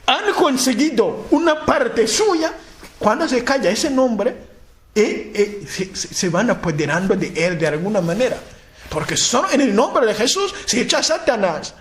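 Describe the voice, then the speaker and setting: A man preaching a sermon talk in a convent hall, animated, acting out people's replies, repeating and stammering. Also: extremely high pitch, measured pace. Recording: echoey room, faint noise.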